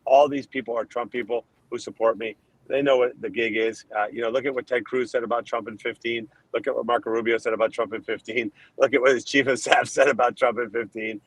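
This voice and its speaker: A man from Colombia answering podcast questions as a candidate, firing off his points in emphatic lists. His voice sits at an ordinary middle pitch, and the sound is close and dry with no room echo. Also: steady tone, fast, husky. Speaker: Senate candidate, guest.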